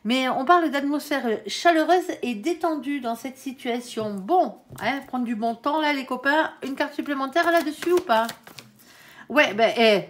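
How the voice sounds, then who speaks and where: A woman's voice: high-pitched, a little slow. A woman doing a casual tarot card reading, chatty and peppered with "hein", talking straight to her viewers. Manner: addresses viewers and her angel directly. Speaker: tarot reader.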